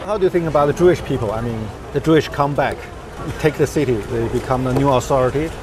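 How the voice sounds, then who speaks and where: A man's voice: mid-range voice, fast talker, noisy background. A middle-aged Chinese man interviewing in simple, broken English, humming along as he listens. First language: Mandarin Chinese. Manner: many backchannel hums, brief questions. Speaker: interviewer, host.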